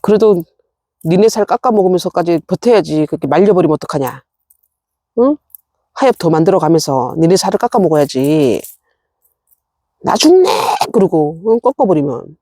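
A woman's voice: lowish voice, animated, brisk, mellow, no room sound, studio quality. Chatty middle-aged woman talking to plants. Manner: chatty, talks to her plants, scolds herself. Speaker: succulent-growing vlogger. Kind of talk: casual chat while tending plants. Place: rural home.

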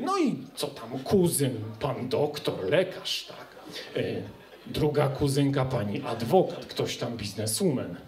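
A man's voice: fairly high pitch, mellow. A young man performing an ironic, conversational stand-up comedy monologue on stage into a handheld mic. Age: young adult. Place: student club stage in front of an audience. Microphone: handheld microphone.

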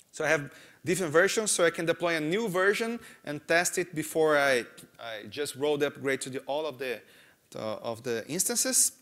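Animated Brazilian man giving a tech talk. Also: a little high. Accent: Brazilian Portuguese. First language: Portuguese. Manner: animated, gestures a lot, frequent "right?" and "uh" fillers. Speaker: conference speaker. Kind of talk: technical conference talk. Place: large conference hall stage.

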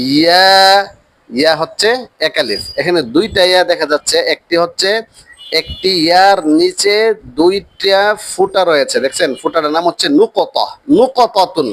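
A man teaching a Quran course, going through the Arabic letters slowly and patiently, repeating points and drawing each letter name out long. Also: high-pitched, no echo. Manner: stretches letter names long and loud.

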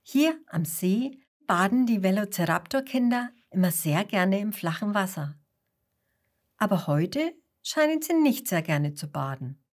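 Woman narrator for a toddler audio story: slow, gentle, expressive. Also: medium pitch.

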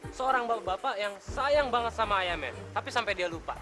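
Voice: medium pitch, lively intonation, brisk, music in the background. A co-host, presenting a scripted TV comedy show.

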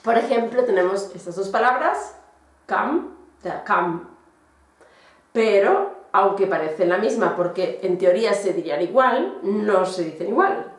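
A woman giving a casual German lesson, explaining slowly with fillers. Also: medium pitch, animated. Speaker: German teacher. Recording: echoey room.

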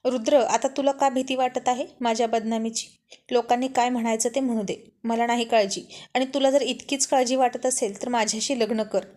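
Headstrong young woman, defiant and teasing, a lady storyteller doing her, a bit high. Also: steady tone, fairly quick, dark tone, close to an everyday voice.

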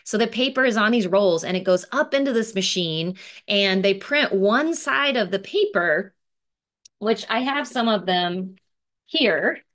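A woman in her forties with a mid-range, slightly bright voice presents her picture book to children by video call. Surrounded by bookshelves indoors, she reads aloud expressively and explains things in a relaxed manner.

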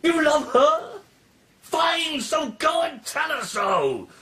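A loyal male friend in a verse radio play. His high voice swings very widely in pitch. He is emphatic, theatrical and encouraging, with a slow pace. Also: sing-song, pushed and bright, shouting, exaggerated voice. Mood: delighted. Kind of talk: verse radio drama acting.

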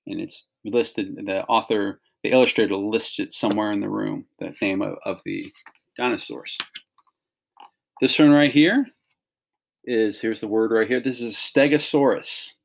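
A man's voice: fairly low pitch, measured pace, creaky, pauses often, slight background noise. A middle-aged man giving an instructional read-along for children, explaining and pointing things out in simple phrases. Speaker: teacher reading a picture book aloud to children.

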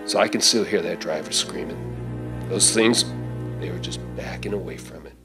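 A middle-aged man on stage playing a gruff, take-charge survivor of a zombie attack in a radio play, with folksy phrasing. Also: low voice, moderate pace. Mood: steady, grim. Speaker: stage actor reading a script. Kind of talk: live radio-play acting. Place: theater stage. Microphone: stand microphone. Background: loud music.

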